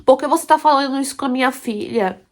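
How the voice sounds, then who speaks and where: A woman voicing a pleading, gentle mother. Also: high-pitched, fast talker, lightly acted.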